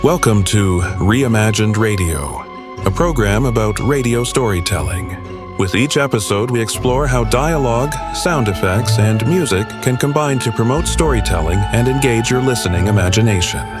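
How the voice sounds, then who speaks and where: A male announcer opening a radio show in a smooth, formal manner. His voice sits slightly low, and loud theme music plays under him. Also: animated, normal speed. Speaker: program announcer.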